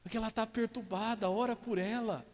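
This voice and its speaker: Preacher putting on a frantic denying husband, raised pitch, echoey. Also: male voice, steady tone, brisk, lightly acted. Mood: pleading. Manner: high, pleading and defensive. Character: desperate husband denying everything. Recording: echoey church hall.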